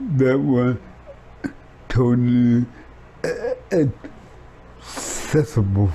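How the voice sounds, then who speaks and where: Clearly audible noise fills the background. The man talks in a medium range. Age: 70s. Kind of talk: testimony. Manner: halting, with repeated words and restarts.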